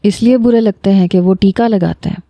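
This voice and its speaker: A woman voicing a young woman doctor who speaks softly and patiently to a patient, in a storybook reading. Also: mid-range voice, dry recording, natural voice. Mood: coaxing. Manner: soft, patient, coaxing.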